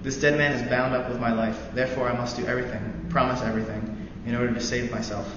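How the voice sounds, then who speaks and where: A young American man, a student veteran, reading a novel passage aloud in earnest, after a halting introduction. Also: medium pitch. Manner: halting intro with many fillers, then steady earnest reading. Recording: roomy echoey hall, dull lo-fi sound, noisy.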